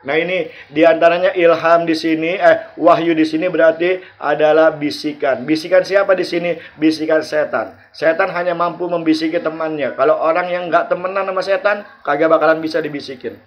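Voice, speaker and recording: Male teacher, fairly high voice, dull video call sound. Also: fairly even intonation, a little fast. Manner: explains verses line by line, asks and answers himself. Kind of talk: online class lesson. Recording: muffled video call audio.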